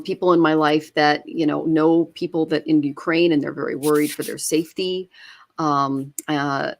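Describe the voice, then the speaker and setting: A woman giving a live online tarot reading, speaking reflectively with many fillers. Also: sits low. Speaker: tarot reader.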